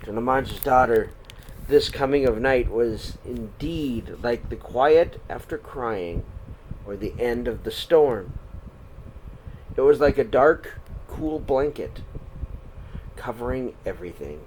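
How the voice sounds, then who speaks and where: A man's voice: medium pitch, lively intonation, slow pace, pauses often. Man reading a children's story, noisy background. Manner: dramatic, swinging between hushed and projected. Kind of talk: expressive read-aloud storytelling. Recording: clear background noise.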